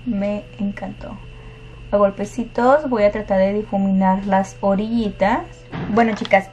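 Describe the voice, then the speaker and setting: A woman's voice: mid-range voice, darkish tone, a little hiss or hum. A woman giving a step-by-step makeup tutorial, gushing over each color and calling her viewers "chicas". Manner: gushing, repeats "súper bonito", addresses viewers as "chicas". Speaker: makeup vlogger.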